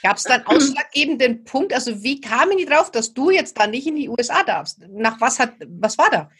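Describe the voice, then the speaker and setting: Husky-voiced enthusiastic woman podcast host. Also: high-pitched, expressive, a little fast, fairly bright tone. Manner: enthusiastic, encouraging questions. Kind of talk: interview hosting.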